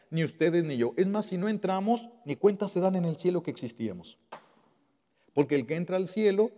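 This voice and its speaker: A man preaching a Catholic sermon with fervor, his fairly high voice leaping up and dropping low as he presses his points. He repeats key phrases and slows right down to hammer them home. His words ring out into a long, reverberant hall. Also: warm tone. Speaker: Catholic priest.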